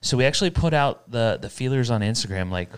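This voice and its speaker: A man's voice: mid-range voice, lively intonation, fast, smooth. A middle-aged man co-hosting a casual podcast, talking in a rambling, upbeat way and often restarting his sentences. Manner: rambling, self-correcting, upbeat. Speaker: podcast co-host. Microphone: studio podcast mic.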